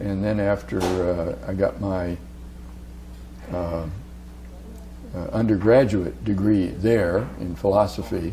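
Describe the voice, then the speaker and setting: In a very deep, low voice with a Midwestern US accent, a man speaks very slowly with lively intonation and long, frequent pauses. Audible room echo and noticeable background noise fill the recording. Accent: General American, Midwestern. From US Midwest, Springfield, Illinois. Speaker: retired diplomat. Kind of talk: interview. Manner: halting, many fillers.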